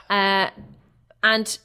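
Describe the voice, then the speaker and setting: A woman's voice: medium pitch, little pitch movement, extremely slow, sharp tone, clear, resonant tone. A woman in her thirties from Norway, an actress chatting as an interview guest, reflective and full of fillers and restarts. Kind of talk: casual interview chat.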